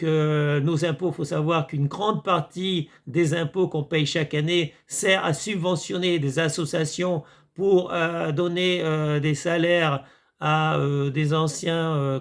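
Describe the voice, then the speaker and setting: A man's voice: on the high side, little pitch movement, measured pace, gravelly. A man talking casually to his viewers in a rambling monologue, hesitating often and calling them his friends. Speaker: video commentator. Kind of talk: casual monologue reviewing a series.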